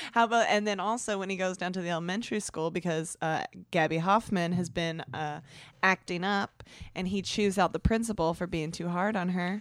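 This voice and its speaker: In an American accent, a woman at a medium pitch talks at a fairly quick pace on a very clean recording with a silent background. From US Mid-Atlantic, Northern Virginia. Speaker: podcast host guest. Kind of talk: casual chat. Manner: animated.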